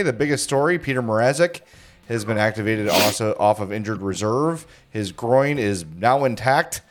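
A man in his forties hosting a casual sports podcast, jokey and self-deprecating, laughing often. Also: mid-range voice. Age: 40s. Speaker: podcast host.

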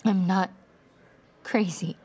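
An actress playing a shaken woman accused of killing a child, speaking in a hushed, half-whispered way. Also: medium pitch, steady tone, slow, breathy edge. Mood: pleading, desperate. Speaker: narrator and lead character. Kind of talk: audio drama acting.

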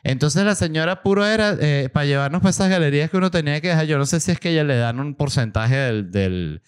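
A man hosting a podcast, telling a travel story in a casual, animated way and acting out the people he quotes. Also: fast, clean tone. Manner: animated, acts out quoted voices with big pitch jumps. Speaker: podcast host. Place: small home studio room.

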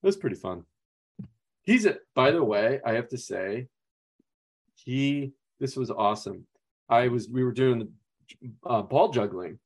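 A man's voice: medium pitch, animated, a little slow, pauses often. Rambling male podcast co-host telling stories. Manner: rambling, anecdotal, many fillers and quoted asides. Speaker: podcast co-host, basketball coach. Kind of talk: casual storytelling chat.

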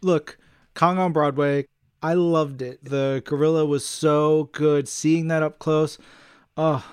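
A man with a fairly high, smooth voice hosts a fan podcast, recorded dry and close. His chat is casual and promotional, emphatic and full of jokey enthusiasm. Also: flat delivery, slow, dry recording. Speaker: podcast co-host.

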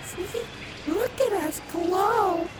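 A woman's voice: very high-pitched, drawn-out words, very noisy, exaggerated voice. An actress voicing a sweet, sing-song female magical creature who coos soothingly. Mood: cooing.

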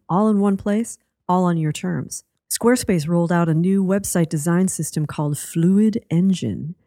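A woman's voice: on the low side, warm tone, no echo, clean studio sound. A woman announcing a sponsor message in a scripted ad-read style.

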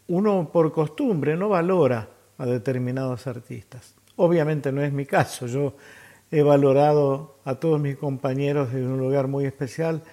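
A man hosting a music tribute, speaking reflectively and building his points in measured, emphatic lists. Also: a little high, dark tone. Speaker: host presenting songs in tribute. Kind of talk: reflective spoken introduction to music.

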